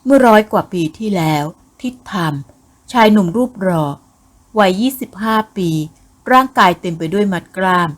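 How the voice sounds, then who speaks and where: Storyteller woman, ghost novel audiobook, measured expressive reading, even mid-pitched voice. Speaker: audiobook narrator.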